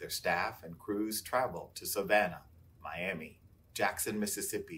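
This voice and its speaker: This man's speech moves along at a moderate pace. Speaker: foundation president hosting. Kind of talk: scripted introduction. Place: meeting room.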